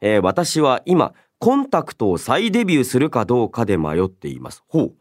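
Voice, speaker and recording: A man's voice: mid-range voice, big pitch swings, a little fast, no room sound, clean studio sound. A young man hosting a radio show, talking casually and politely as he muses aloud and handles listener mail. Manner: chatty, musing aloud, polite but informal. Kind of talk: casual solo radio talk, reading and answering listener mail.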